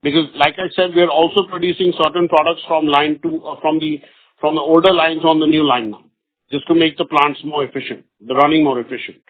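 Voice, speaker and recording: A man's voice: fairly high pitch, fairly even intonation. A man with a somewhat raised voice answers analysts as an executive on an earnings call, stumbling and repeating himself as he explains. The sound is thin and phone-like. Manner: halting, repeats words. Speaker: company executive. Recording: phone-line conference call audio.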